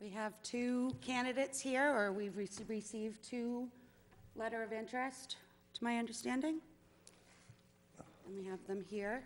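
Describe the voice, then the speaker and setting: With long, frequent pauses, a woman speaks at a fairly high pitch and fairly even intonation. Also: moderate pace. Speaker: board of health member. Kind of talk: public meeting. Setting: town hall meeting. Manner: loud.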